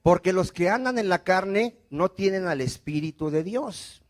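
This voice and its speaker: Unhurried and expressive, this high-voiced pastor with a Mexican Spanish accent preaches by questioning his congregation, often rhetorically. He gets them to repeat phrases back in call-and-response fashion.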